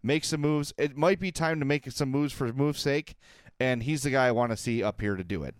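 An American man hosts a sports podcast conversationally. His voice is clear and smooth at an average pitch, recorded dry with little room sound. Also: moderate pace, dry recording.

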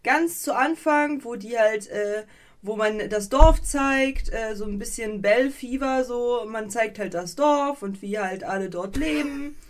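A woman co-hosting a podcast in casual chat, animated and rambling, with many fillers and a playfully mocking edge. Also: on the high side, unhurried. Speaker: podcast co-host.

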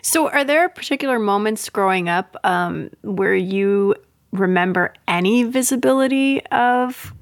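A woman's voice: medium pitch, expressive, measured pace, no echo, studio quality. A woman radio host asking short, direct interview questions.

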